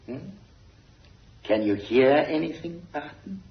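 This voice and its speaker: An actor playing Kramer, a cold, sinister villain who gloats with smooth menace, in an old radio drama recording. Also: male voice, on the high side, animated, takes it slowly, roomy sound, muffled recording, slight background noise. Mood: gloating.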